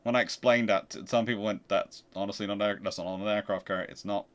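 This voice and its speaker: A man with a fairly low voice hosts a casual livestream. He speaks haltingly, doubling back on words and restarting phrases as he takes questions from viewers. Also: fairly even intonation. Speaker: livestream host.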